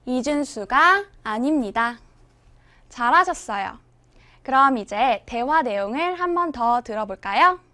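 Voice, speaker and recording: A woman's voice: fairly high pitch, animated, moderate pace, bright, forceful tone. A woman teaching a beginners' language lesson, patiently modelling phrases and inviting learners to repeat after her. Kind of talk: slow, clear classroom instruction.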